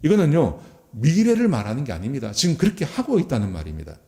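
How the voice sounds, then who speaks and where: A man's voice: mid-range voice, fast. A man preaching a sermon as a pastor, addressing the congregation directly and acting out quoted speech. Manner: acts out quoted speech in lively voices.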